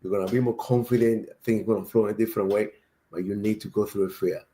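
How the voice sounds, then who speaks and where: Man, cuban accent, native spanish speaker, fairly low voice, emphatic casual chat. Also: steady tone, mellow. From Cuba. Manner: emphatic, repeats words, halting.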